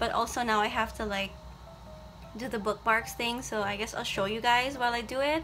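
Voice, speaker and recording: Faint background music behind a woman's monotone, flat delivery. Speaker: book vlogger. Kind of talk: casual vlog chat. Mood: slightly down. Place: home room. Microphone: phone near.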